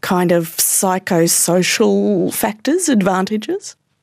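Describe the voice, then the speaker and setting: With an Australian accent, a woman speaks at a very slow pace in a dark, mellow tone of medium pitch, with ordinary pitch variation, on a very clean recording with a silent background. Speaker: radio host. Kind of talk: radio interview. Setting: studio.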